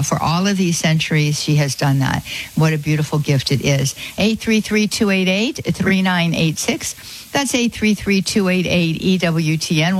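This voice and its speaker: A woman's voice: low voice, rough recording. A middle-aged woman hosting a live Catholic call-in radio show, speaking effusively with many fillers and restarts.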